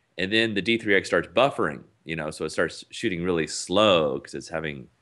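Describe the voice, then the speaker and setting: Very deep and low, a man's animated voice carries vocal fry and lively intonation against a quiet background. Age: 40s. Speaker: photographer. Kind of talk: casual interview chat. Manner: animated storytelling with fillers.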